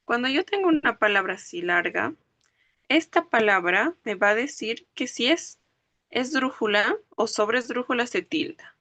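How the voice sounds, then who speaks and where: A woman with a rather high, sharp voice and lively intonation speaks at normal speed in a dry recording. She's giving an online language lecture, laying out rules step by step, sounding words out by syllable, and often asking if students are following.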